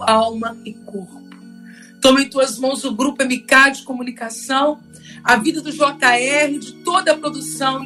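High-voiced woman pastor praying fervently. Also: fairly bright tone. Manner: fervent, rising prayer cadence. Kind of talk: spoken prayer on radio.

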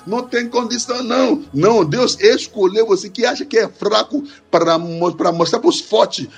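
An impassioned pastor with a high voice preaches a sermon, driving his phrases home in chant-like repetition. Faint music plays softly behind him. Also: husky.

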